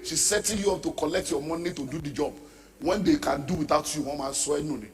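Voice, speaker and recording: A middle-aged man, preaching a sermon as a pastor, forceful and rising to shouts. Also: fairly high pitch, a little fast. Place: church or large hall. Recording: reverberant hall with background music.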